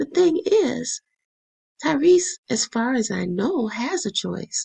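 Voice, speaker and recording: A woman speaks at a very slow pace. Her voice is somewhat breathy with a dark, mellow tone. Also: dry, close sound with no echo. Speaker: Bible prophecy commentator. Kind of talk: casual commentary monologue.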